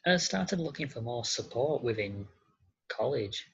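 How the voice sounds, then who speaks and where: A podcast guest with a masculine-sounding voice answers conversationally in a halting, hesitant way, on slightly muffled audio. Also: mid-range voice, lively intonation, husky.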